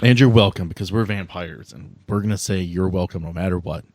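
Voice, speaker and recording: A man's voice: sits low, fairly quick, a little mellow, dry recording. A man acting as game master of a tabletop game, explaining things in a casual, conversational way.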